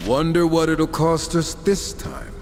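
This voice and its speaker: A man's voice: fairly high pitch, measured pace, noisy background, close to an everyday voice. An actor playing an irreverent, sardonic gunslinger horseman in a game cutscene, talking with casual, cocky sarcasm. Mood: wry. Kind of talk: video game cutscene acting. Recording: long reverb with faint music.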